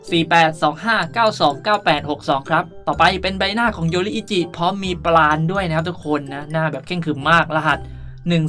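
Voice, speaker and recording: Fast-talking, chatty man hosting a tutorial. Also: high voice, bright, forceful tone. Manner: chatty, polite, addresses viewers often. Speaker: video creator and host. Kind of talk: casual game outfit tutorial for viewers. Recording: music behind the voice. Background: music.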